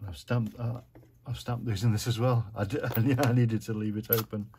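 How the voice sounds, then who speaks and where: At his craft desk, a British man chats his way through a card-making tutorial, relaxed and poking fun at himself as he narrates each step. His voice sits in the mid range at a normal speed, and the background is noisy.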